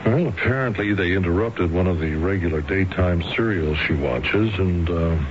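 An actor playing a tactful, concerned doctor in a 1970s radio drama, speaking in a hesitant, careful way. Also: male voice, low-pitched, normal speed, natural voice. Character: tactful, concerned male doctor breaking bad news. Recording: muffled, noisy vintage radio broadcast.

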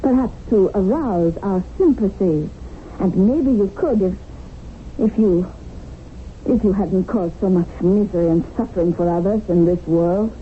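A woman's voice: mid-range voice, measured pace, lightly acted. An actress playing a fervent, unyielding woman revolutionary in a radio drama, speaking in an earnest, insistent, rhetorical way. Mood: scornful. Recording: narrow-band, noisy old radio broadcast.

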